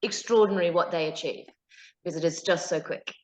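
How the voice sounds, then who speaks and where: A woman's voice: lowish voice, fairly quick. A woman with a New Zealand accent, a guest actor chatting casually in an interview, full of fillers and side stories. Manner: chatty, anecdotal, frequent fillers. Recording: echoey, dull lo-fi call audio.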